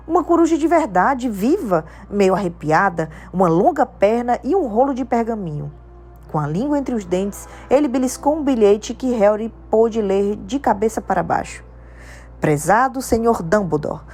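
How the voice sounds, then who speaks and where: Brazilian woman reading an audiobook. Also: moderate pace. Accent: Brazilian Portuguese. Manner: calm, lower-voiced storytelling. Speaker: audiobook narrator.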